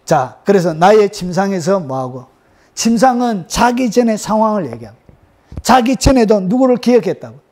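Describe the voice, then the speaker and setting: A male pastor preaching a sermon, firing rhetorical questions at the congregation and breaking into loud shouts of praise. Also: high-pitched.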